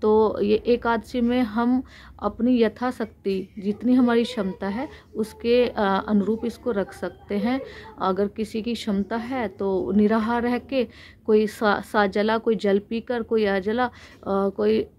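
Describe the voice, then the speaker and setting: An Indian woman giving an explanatory Hindu religious discourse, speaking earnestly and unscripted with pauses, her throat a little sore. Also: medium pitch, steady tone, a little mellow. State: sore throat with frequent throat clearing.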